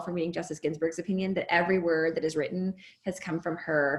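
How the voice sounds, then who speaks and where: A woman talks at a very fast pace. Her voice is fairly low and somewhat breathy. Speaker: law professor, former supreme court clerk. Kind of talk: panel conversation.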